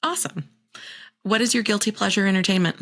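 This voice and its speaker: A woman's voice: medium pitch, fast talker, fairly bright tone. A woman hosting a podcast in casual chat, frank and playful and swearing freely. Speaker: podcast host.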